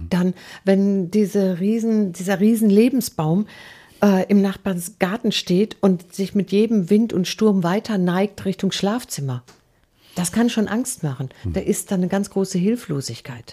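The recording is very clean, with a silent background. A woman of medium pitch speaks fairly slowly in a dark, mellow tone with ordinary pitch variation. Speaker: arbitrator and mediator. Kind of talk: interview.

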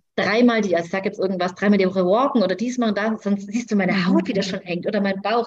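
A woman speaks at medium pitch with fairly even intonation. Her voice is somewhat breathy. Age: 30s. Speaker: midwife. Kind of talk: casual chat. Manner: hesitant, many fillers.

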